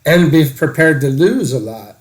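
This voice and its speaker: A man's voice: a little high, lively intonation. Man chatting reflectively, searching for words. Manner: halting, searching for words, tentative. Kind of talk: casual reflective conversation.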